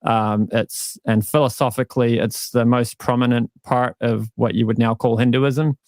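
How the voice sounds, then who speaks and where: A man with a New Zealand accent, a guest calmly explaining his faith with dry self-mocking humor over a live-stream call. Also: medium pitch, moderate pace, no room sound. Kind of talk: casual interview talk.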